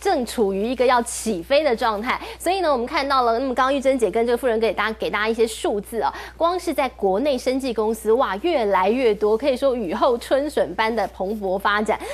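A fairly quick, fairly high female voice with lively intonation and hardly any pauses. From Taiwan. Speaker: TV finance show host. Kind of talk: TV talk show hosting. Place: studio. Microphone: lapel.

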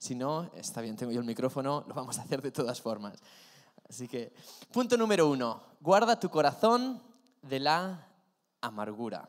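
A man with a Spanish accent at a moderate pace, with very wide pitch swings, big swings in loudness and long, frequent pauses against a quiet background. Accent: Spanish (Spain). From Spain. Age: 30s. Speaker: pastor. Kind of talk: sermon. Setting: stage with audience. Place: church. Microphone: handheld.

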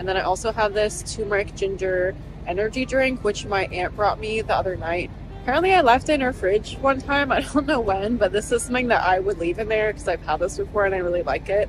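A woman talks at a very fast pace with lively intonation. The sound is dry with no echo, and music plays in the background. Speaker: vlogger. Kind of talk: casual vlog chat. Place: street. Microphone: phone near.

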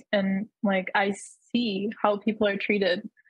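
A somewhat breathy woman's voice with a Canadian accent, medium pitch, monotone flat intonation, a quiet background and dry sound with no echo. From Canada. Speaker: comics and animation artist; comics. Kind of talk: casual interview. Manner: hesitant, repeats words. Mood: friendly, thoughtful. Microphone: webcam.

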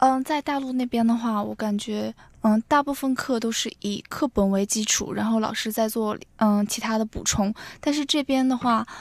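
A woman speaks at a moderate pace with fairly high pitch and fairly even intonation. The sound is dry with no echo, and the background is quiet. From northern mainland China. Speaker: exchange student; radio guest. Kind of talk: interview. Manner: hesitant, many fillers. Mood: friendly, relaxed. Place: studio. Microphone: studio mic.

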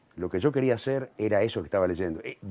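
This man speaks in a dark, mellow tone. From Argentina. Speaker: novelist; interviewee. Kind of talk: interview. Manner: halting. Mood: calm, thoughtful recollection. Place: home room. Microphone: lapel.

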